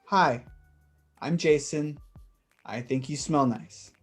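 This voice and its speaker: A man playing an awkward, nervous, self-deprecating young gay man in a staged play reading, speaking haltingly and self-consciously. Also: a little high, faint music behind. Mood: embarrassed.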